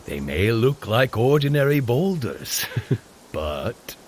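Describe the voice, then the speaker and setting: An actor playing a boisterous, jovial Norse warrior god who coaches a mortal runner in a scripted audio drama. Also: male voice, sing-song, takes it slowly, slight background noise. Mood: encouraging, amused. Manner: jovial, theatrical, booming commands. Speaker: fitness trainer guiding a run.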